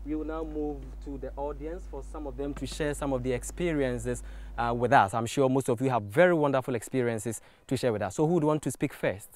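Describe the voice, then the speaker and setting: A man's voice: mid-range voice, a little fast, a little mellow. A man hosting a talk show, politely guiding the questions and the audience. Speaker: host.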